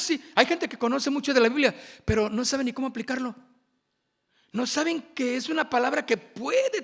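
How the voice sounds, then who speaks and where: A man preaching at a worship workshop, with emphatic, drawn-out phrasing and asides to his listeners. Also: very high voice, fairly bright tone.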